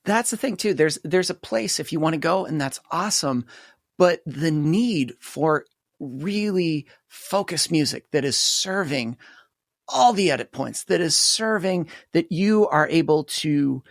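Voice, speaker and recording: A man's voice: fairly high pitch, animated, vocal fry, no room sound, clean studio sound. A man hosting a podcast in casual conversation, emphatic and agreeable, often chiming in with short replies. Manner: emphatic, agreeable, quick interjections. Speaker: podcast host.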